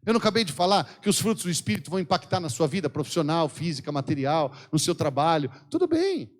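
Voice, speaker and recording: A man's voice: very animated, fast. A man with a Brazilian Portuguese accent preaching a fervent, exhorting sermon at a church event. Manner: fervent, exhorting the congregation with sweeping pitch swings.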